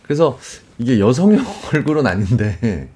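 A man in his thirties co-hosting a radio show in casual banter, playful and quick to mimic others. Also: mid-range voice, sing-song, warm tone. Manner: playful, mimics people in bursts. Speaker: radio co-host.

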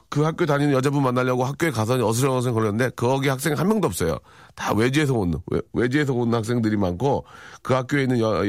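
A man's voice: mid-range voice, dry recording. A middle-aged man hosting a radio show, chatting playfully and acting out quoted lines for laughs. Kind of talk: morning radio talk. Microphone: studio microphone.

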